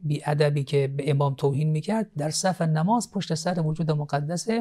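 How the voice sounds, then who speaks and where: A male cleric on a TV studio program, calmly telling moral stories and teaching with frequent hesitation fillers. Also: a little high. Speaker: cleric, guest expert. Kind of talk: storytelling religious teaching on TV.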